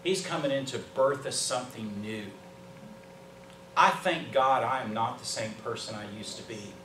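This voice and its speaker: A man in his fifties with an American accent preaches a sermon earnestly, with emphatic pauses and repetition. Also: mid-range voice, fairly bright tone. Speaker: pastor. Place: small church sanctuary, indoors. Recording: roomy, distant mic with background hum.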